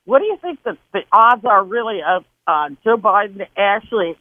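A woman's voice: medium pitch, expressive, moderate pace, dry recording. A woman calling in to a radio show, with a Wisconsin accent mixed with Southern, hesitant and sarcastic. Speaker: caller. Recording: tinny phone line.

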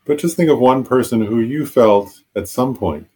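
A man leading a guided meditation as a teacher, giving gentle, halting, unscripted instructions with long pauses. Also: medium pitch, expressive, husky.

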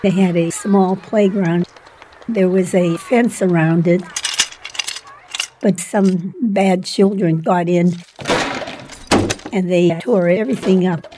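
Older woman recalling her childhood, slow and plain. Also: on the low side, fairly even intonation, background noise. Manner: slow, plain storytelling with soft laughs. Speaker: interviewee. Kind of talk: oral history reminiscence.

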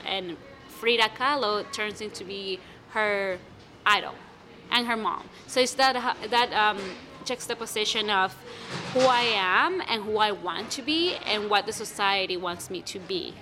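A young woman speaking English as a second language, answering interview questions about her play in a lively, casual way with many restarts. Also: mid-range voice, noisy background. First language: not English. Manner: animated, many restarts and fillers. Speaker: playwright guest.

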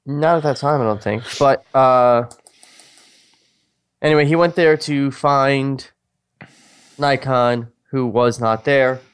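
A man's voice: mid-range voice, fairly even intonation, takes it slowly, pauses often, clear, resonant tone. A man co-hosting a podcast, chatting casually and reading a screenplay aloud, with a self-mocking, profane way of talking. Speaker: podcast co-host.

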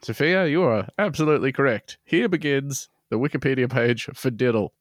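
A man's voice: mid-range voice, fairly quick, no room sound. A man co-hosting a comedy podcast, reading listener mail aloud with dry asides and frequent laughs. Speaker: podcast co-host.

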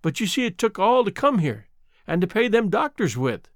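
Man doing a meek old widow, raised pitch, lively lilt, dry close sound. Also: normal speed, dry recording. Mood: plaintive. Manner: rural dialect, homely grammar; apologetic, wistful. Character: poor old widow from the mountains, gentle.

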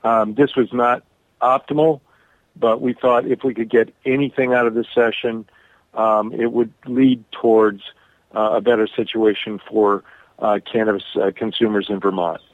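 A man calling in to a radio show over a bad phone connection, speaking haltingly with many pauses and restarts. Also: lowish voice, flat delivery, dry recording. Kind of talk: call-in radio interview. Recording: tinny dry phone line.

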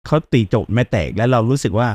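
A man's voice: mid-range voice, fast, dry recording. Male podcast host, casual film talk, laughs a lot, dry close mic. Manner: laughs often, animated and joking. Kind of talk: casual film review chat.

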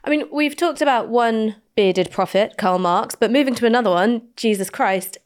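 A woman's voice: fairly high pitch, moderate pace. Woman host asking wry, direct questions. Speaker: interview host. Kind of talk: conversational interview.

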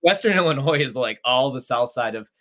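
A man's voice: mid-range voice, lively intonation, fairly quick, a bit bright. A young man with a Chicago accent co-hosting a betting podcast, rambling and laughing as he talks. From Chicago area. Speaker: sports betting podcast co-host. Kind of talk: casual sports talk.

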